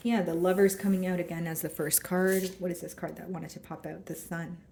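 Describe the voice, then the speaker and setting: A woman with a hoarse, scratchy throat reads tarot cards for her viewers, thinking aloud as each card turns up. Her voice sits fairly low and sounds mellow and soft-edged. The sound is roomy, with noticeable echo around her. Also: fairly even intonation, fairly quick. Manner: thinks aloud while drawing cards, speaking straight to viewers. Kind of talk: casual tarot reading to camera.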